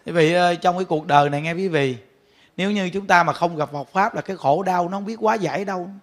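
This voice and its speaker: Speaking quickly in a high voice, a Buddhist monk delivers his sermon as animated stories, laughing often and turning directly to the audience.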